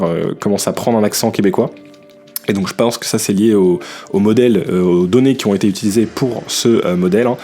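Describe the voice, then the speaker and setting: A man from France hosts a casual tech news podcast. His voice sits a little low, and he rambles in an easygoing way, dropping in little tags as he goes. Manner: relaxed, loose, peppered with "hein". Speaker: podcast host.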